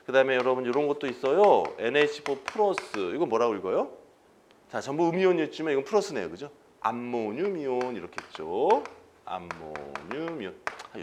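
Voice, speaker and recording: A man giving an exam-prep chemistry lecture, asking students questions and answering them himself, repeating key terms. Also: medium pitch.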